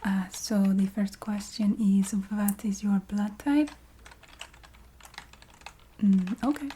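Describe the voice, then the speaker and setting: A woman playing a courteous, matter-of-fact vampire receptionist in a soft-spoken ASMR roleplay, half-whispering in a put-on Eastern European accent with halting, formal phrasing. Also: medium pitch, slight background noise, lightly acted. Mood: matter-of-fact, approving. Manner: halting, formal phrasing with small hesitant hums.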